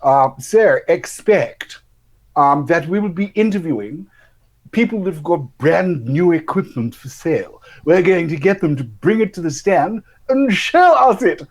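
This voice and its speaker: A man's voice: fairly high pitch, expressive, unhurried. Blunt northern man with a Mackem accent. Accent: Sunderland (Mackem) English. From North East England. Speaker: co-host. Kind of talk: casual live-stream banter.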